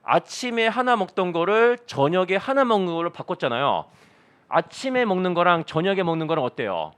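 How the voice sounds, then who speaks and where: Male accounting tutor, 30s, bright high register, very animated pitch, playful jokey delivery, close mic. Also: brisk, smooth. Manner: playful, jokey, acts out little quoted scenes. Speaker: accounting instructor. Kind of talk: online lecture.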